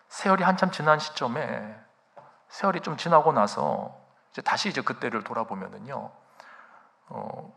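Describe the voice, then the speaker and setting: A man's voice: medium pitch, vocal fry, fairly bright tone. A male pastor preaching a sermon in a church sanctuary, telling stories with animation and putting rhetorical questions to the congregation.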